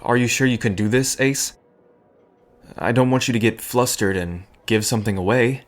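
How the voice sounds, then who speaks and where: An actor in an audio drama playing a guarded, pragmatic worrier, earnest and defensive, sometimes halting. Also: male voice, mid-range voice, faint music behind, lightly acted. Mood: anxious, awkward. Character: guarded, worrying man, pragmatic, once heartbroken.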